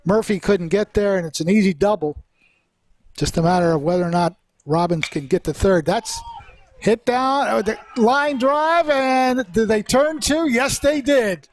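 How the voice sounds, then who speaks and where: A man with a notably high-pitched voice works as a play-by-play baseball commentator. He calls the action live in a conversational way, adding his own asides. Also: unhurried, dry recording.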